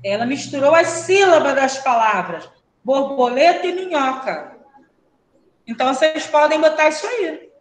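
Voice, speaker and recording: A woman with a Brazilian Portuguese accent teaching a primary class online, brisk and questioning, calling pupils by name. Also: sits high, animated, echoey room, rough recording.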